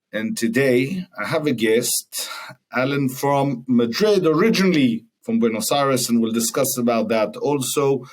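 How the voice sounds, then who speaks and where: A man's voice: medium pitch, darkish tone. Male podcast host, probing questions. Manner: quick, probing questions with repeats. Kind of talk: interview hosting.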